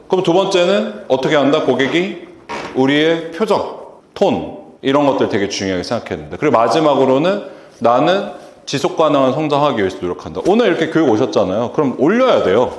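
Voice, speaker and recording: A man giving a public lecture to an audience, acting out quoted lines from customers and staff. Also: mid-range voice. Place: lecture hall. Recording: echoey lecture hall.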